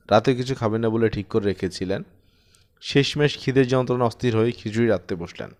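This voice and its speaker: Man narrating with lively intonation. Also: mid-range voice. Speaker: audiobook narrator. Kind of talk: expressive story narration.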